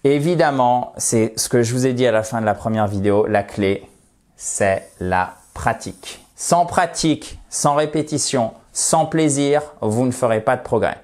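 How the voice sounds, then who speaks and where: A man teaching an online pronunciation lesson, patiently repeating example words slowly and checking in with his viewers. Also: medium pitch, lively intonation, a little mellow. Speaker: English teacher.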